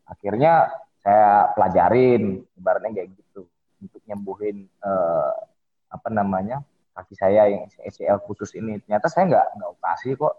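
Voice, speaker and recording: A man's voice: fairly low pitch, moderate pace, breathy edge. A middle-aged man, a podcast guest, talking casually and rambling with many fillers and restarts. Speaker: podcast guest, fitness method founder. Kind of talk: casual interview talk. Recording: tinny phone-like line.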